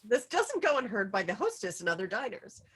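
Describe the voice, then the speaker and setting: A woman's voice: medium pitch, big pitch swings, a little fast, fairly bright tone, husky. A woman narrating stage directions in an informal script table read.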